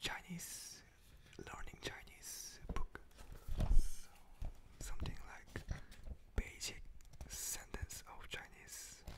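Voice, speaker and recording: A man whispers at a very slow pace. Long pauses come often. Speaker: ASMR content creator. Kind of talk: ASMR book-showing talk to camera. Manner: soft, whispering. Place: home room. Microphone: studio mic.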